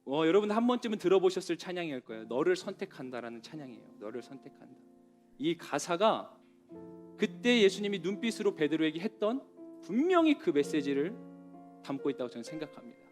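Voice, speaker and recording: A man with a notably high voice preaching to a young adult congregation. He tells the story vividly, with dramatic pauses, and turns hushed and gentle for tender moments. Faint music sits under his voice. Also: big pitch swings. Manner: storytelling with dramatic pauses, dropping to a soft voice for tender quoted words. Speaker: pastor.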